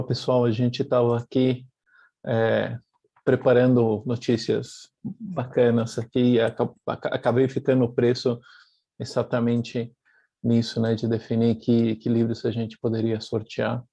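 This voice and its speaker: A man's voice: mid-range voice, little pitch movement, normal speed, vocal fry, mellow, slightly rough, no echo. Argentine man presenting on a video call. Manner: thoughtful, many fillers and restarts. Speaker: guest speaker, publisher. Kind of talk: online lecture presentation.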